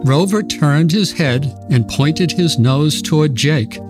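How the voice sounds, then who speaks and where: A man calmly narrating a children's storybook in a measured, gentle reading style. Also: fairly high pitch, music in the background.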